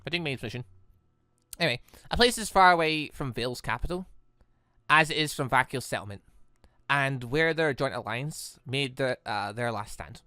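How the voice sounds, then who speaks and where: A man's voice: mid-range voice, pushed and bright, smooth, dry recording, studio quality. A man reading visual novel dialogue aloud as a gaming host, often stumbling and correcting himself. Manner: halting, stumbling over words and correcting himself.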